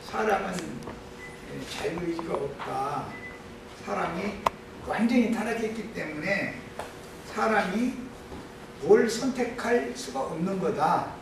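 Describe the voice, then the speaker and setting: A man with a high, gravelly voice earnestly walks through a point of doctrine. His delivery is broken up by short affirming fillers. He sounds distant in a very echoey room with clear noise behind. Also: animated, measured pace. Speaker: church member giving testimony. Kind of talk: explanatory testimony.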